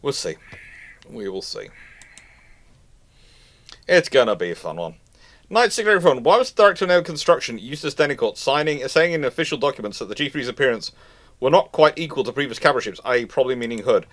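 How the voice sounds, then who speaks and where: A man's voice: medium pitch, very animated, fast talker, long pauses, a bit bright. A British man hosting a live question-and-answer stream, giving informal, discursive and opinionated expert commentary with repeated points. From United Kingdom.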